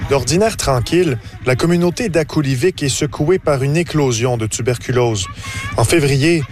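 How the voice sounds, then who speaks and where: A male reporter delivering a scripted news report in an even, clear voice. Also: medium pitch, moderate pace. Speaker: radio reporter.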